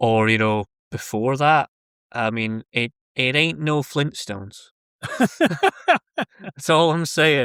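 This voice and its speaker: Very slowly, a man with a slight Scottish accent speaks in a bright, sharp tone with ordinary pitch variation. The recording is very clean with a silent background, and the sound is dry and close with no echo. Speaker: podcast guest. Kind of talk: casual chat.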